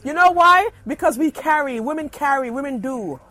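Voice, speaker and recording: A woman's voice: high voice, moderate pace. Chatty woman on a radio phone-in. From Brooklyn, New York. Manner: animated, chatty storyteller with playful asides and laughs. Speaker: radio show host. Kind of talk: casual chat while shopping. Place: indoors in a small Caribbean grocery store. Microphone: phone call into a radio show.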